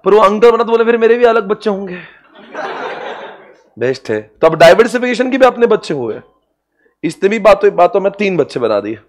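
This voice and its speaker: Joking teacher guy, kinda high voice, lecturing a class and laughing a lot. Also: big pitch swings, a little fast. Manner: playful, joking, laughs often. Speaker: commerce exam lecturer.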